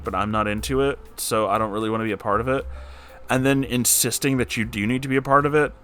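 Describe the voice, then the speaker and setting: Reading out stories that listeners submitted, this host has a medium-pitched, slightly bright voice. He reacts as he goes, in a candid, casual way that is emphatic, blunt, and peppered with swearing.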